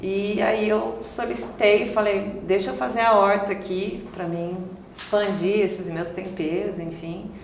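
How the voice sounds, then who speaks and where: A woman's voice: mid-range voice, steady tone, a little slow, hardly any pauses, reverberant, a little hiss or hum, poor audio. A woman restaurant owner as an interview guest, answering hesitantly and searching for words with many fillers.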